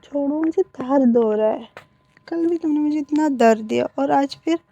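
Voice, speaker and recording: A woman's voice: high voice, normal speed, creaky, warm tone, dull audio, voice pushed up. Woman voicing a whiny playful young man. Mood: sleepy.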